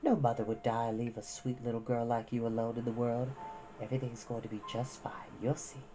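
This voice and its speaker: Gentle old granny for a storybook, reader's put-on voice: low, quiet, slow and comforting. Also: very animated, background noise, close to an everyday voice. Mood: soothing. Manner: slow, soft and soothing. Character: gentle elderly grandmother, soothing and kind. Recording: slightly dull lo-fi recording.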